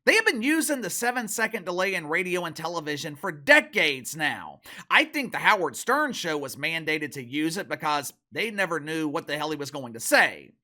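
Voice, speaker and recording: Lively, bright-voiced sarcastic man. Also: a little high, normal speed, hardly any pauses. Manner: sarcastic, mocking, emphatic. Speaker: online commentary host. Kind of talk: opinionated commentary to camera.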